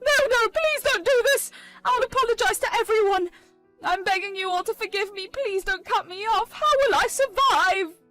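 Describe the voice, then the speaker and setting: A shrill, frantic older mother-in-law, voiced by a woman reading a story aloud. Her voice is very high and loud, and she pleads and protests. Faint music plays under the narration. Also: normal speed. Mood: pleading. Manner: indignant, pleading.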